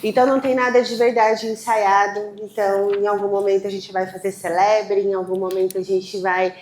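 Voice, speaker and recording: A woman hosting a live event, talking to the audience in an energetic, quick and restless way. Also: medium pitch. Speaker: event host. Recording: echoey room, faint noise.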